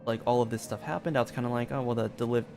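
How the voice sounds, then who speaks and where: A man's voice: mid-range voice, steady tone, rapid-fire, gravelly, a little mellow. A man giving casual, rambling game commentary in a hesitant way, often saying "like". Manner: hesitant, peppered with "like". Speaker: video game streamer. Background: background music.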